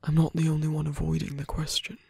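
Man acting a very breathy, hesitant villain in love. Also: fairly high pitch, monotone, a little mellow, dry recording. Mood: earnest, nervous. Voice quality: breathy, often dropping to a whisper. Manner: halting, hesitant delivery with pauses. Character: guarded, lovestruck male villain, hesitant and tender. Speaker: ASMR roleplay voice actor. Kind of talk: ASMR romantic roleplay, intimate and halting. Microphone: close dry microphone.

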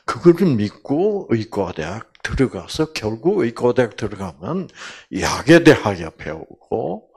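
A man's voice: medium pitch, husky. An older man, a doctor, giving a storytelling lecture about healing, acting out quoted voices and dropping to near-whispers. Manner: slow and animated, acts out quoted voices, drops to near-whispers.

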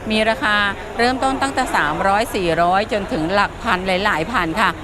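A woman at medium pitch, lively and a little fast, gives casual on-location commentary as she tours an outdoor plant market. She chats with sellers, exclaims frequently, and echoes their replies for her audience over the bustle of shoppers and traffic.

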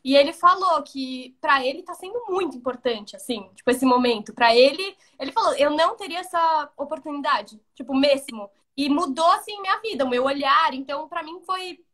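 A young adult woman hosting a casual live video chat from home, agreeing quickly and filling her talk with casual fillers. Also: high voice, lively intonation, a bit bright. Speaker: host. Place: home room, indoors. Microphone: video call.

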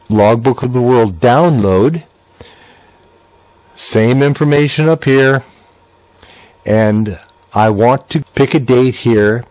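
An older man, around his sixties, with an American accent, presenting a step-by-step software tutorial in a plain-spoken, conversational, explanatory way. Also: fairly low pitch. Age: older, around 60s.

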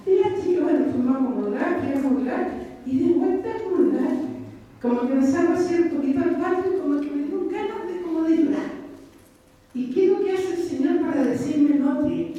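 A woman telling a personal religious testimony in a lively storytelling manner, often checking in with her listeners. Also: very high voice, a little fast. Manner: animated storytelling, often asking "¿ya?". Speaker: lay speaker giving a testimony. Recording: echoey hall, voice from far off, faint background noise.

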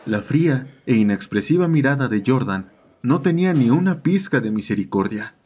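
A man's voice: medium pitch, animated, moderate pace, darkish tone, husky. A man doing scripted first-person narration for an audio horror story.

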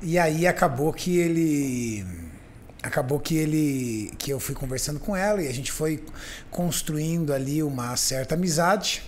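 A man's voice: fairly high pitch, unhurried, a little hiss or hum. A man hosting a podcast, telling a story in casual chat and acting out the voices of the people in it. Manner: animated, acts out the voices in his stories. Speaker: podcast host.

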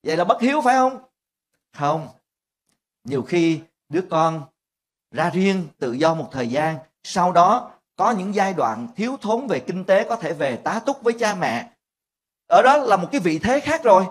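An older man, a pastor, preaching a lively sermon and acting out family squabbles in voices. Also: high-pitched, moderate pace.

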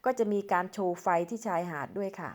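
A woman's voice: medium pitch, fast talker, a little mellow. A middle-aged woman from Thailand, narrating her travel clips as a voice-over in a chatty, polite way, speaking to viewers as friends. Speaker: vlogger.

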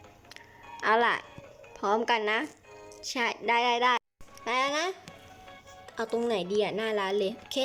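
Brief: a chatty woman running a game role-play, fairly high voice, faint music under her. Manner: chatty, switching between characters.

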